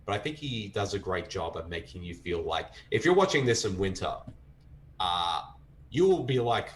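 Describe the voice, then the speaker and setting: A man's voice: deep voice, sing-song, moderate pace, a little hiss or hum. An Australian man chatting casually as a film reviewer, enthusiastic and rambling, with lots of filler words.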